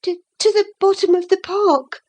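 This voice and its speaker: High-pitched teenage girl, impulsive and earnest, eager confiding delivery, put on by a woman reader, storybook reading. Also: measured pace, a little mellow. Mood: frightened. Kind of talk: audiobook character voice.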